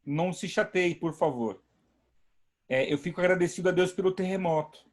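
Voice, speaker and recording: A man's voice: sits high, normal speed. A man, a pastor hosting an online service from home, speaking emphatically and praising God. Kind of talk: warm preaching talk.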